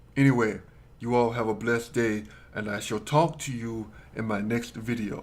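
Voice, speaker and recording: A man speaks at a moderate pace in a medium-pitched voice, with audible echo from the room. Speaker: gaming commentary YouTuber. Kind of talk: video commentary monologue. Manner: less enthusiastic than usual, effortful articulation.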